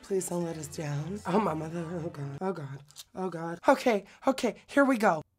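A young woman with a hoarse, recovering voice and a Dutch accent, chatting dramatically through a makeup tutorial in a studio. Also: on the low side, normal speed, faint music behind. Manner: bubbly, dramatic, self-mocking. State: hoarse from illness. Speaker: beauty vlogger. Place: indoor studio set.

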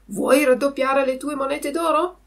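A woman voicing a sly, lame male fox who coaxes smoothly in a storybook reading. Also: high voice, steady tone, unhurried, pitched above the performer's own voice.

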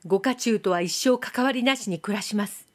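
A woman's voice: medium pitch, brisk, lightly acted. Young samurai man, earnest, firm, voiced by a woman reader, audiobook. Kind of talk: audiobook reading.

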